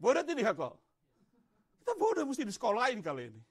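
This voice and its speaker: A man from Indonesia, a pastor, preaching a sermon in an animated way, rising into shouts and turning aside to talk to the congregation. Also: very high-pitched, fast, breathy edge. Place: church.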